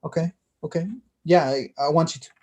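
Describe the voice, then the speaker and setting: A man's voice: on the high side, steady tone, brisk, warm tone, dull audio, lightly acted. Shy, hesitant, earnest gay man man acting. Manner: hesitant, searching for words. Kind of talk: staged play reading, naturalistic dialogue.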